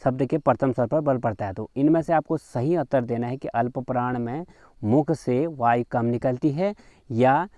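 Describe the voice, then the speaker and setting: A man's voice: medium pitch, normal speed, warm tone, no echo. A man teaching a grammar lesson in quiz form. He reads each question aloud and then explains the answer, with frequent fillers, calling his viewers friends.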